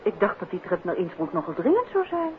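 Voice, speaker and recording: An actress playing an inquisitive, gently needling detective's wife, probing and wryly teasing, in a 1950s Dutch radio drama. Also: female voice, lowish voice, very animated, fast. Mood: curious, teasing. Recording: muffled, noisy 1950s radio recording.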